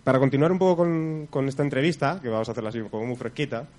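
A man's voice: mid-range voice, darkish tone. A man co-hosting a podcast, reading the show's plugs and asking friendly questions. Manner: quick, friendly, reads plugs and asks questions. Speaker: podcast co-host.

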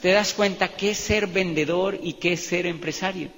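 A man's voice: sits high, normal speed, big-room sound. A man giving a motivational seminar talk, acting out dialogue and building to emphatic peaks. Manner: animated, acts out dialogue, laughs, rises to emphatic peaks. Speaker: motivational speaker.

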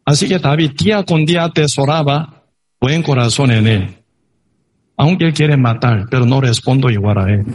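A man preaching a sermon that retells a Bible story, halting and peppered with tag questions. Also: mid-range voice, darkish tone, slightly rough.

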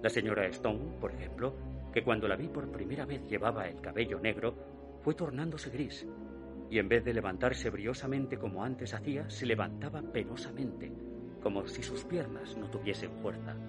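Slightly low-voiced, hushed storytelling from a haunted man in his thirties, as an actor plays him, recalling a nightmare in a radio drama. His measured delivery sinks almost to a whisper on the grim details. Clear music plays behind him throughout. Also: lively intonation, close to an everyday voice. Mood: uneasy. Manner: measured, hushed storytelling that drops to a near whisper at dark moments. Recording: narration over music.

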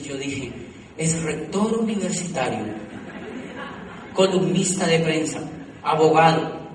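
A middle-aged Colombian man telling a live motivational story, animated, repeating phrases and laughing at himself. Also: fairly high pitch. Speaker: motivational speaker. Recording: echoey hall, from far off, noisy.

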